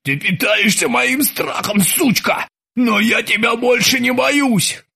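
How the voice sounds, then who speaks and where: A man's voice: very high voice, slow pace, creaky, breathy edge, voice pushed up, exaggerated voice. Man doing a hysterical shrieking nightmare ghoul. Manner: hysterical shouting.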